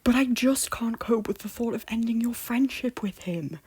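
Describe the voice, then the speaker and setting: A woman playing an anxious, loyal young prince in an audio drama, earnest and breathy, moving between hushed and urgent. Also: on the high side, moderate pace. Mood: worried. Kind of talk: intimate audio drama acting.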